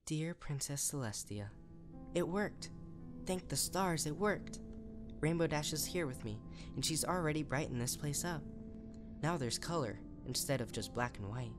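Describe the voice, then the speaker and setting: A man's voice: on the high side, animated, measured pace, over music, pitched above the performer's own voice. A man voicing a deranged, eager, power-hungry female unicorn pony writing letters, in a chirpy, unhinged manner for a horror story. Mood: gleeful.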